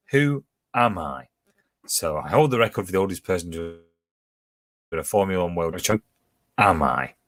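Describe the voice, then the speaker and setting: Hosting a home pub quiz, a man with a mid-range, slightly bright voice casually chats as he reads the questions, answer choices and team standings.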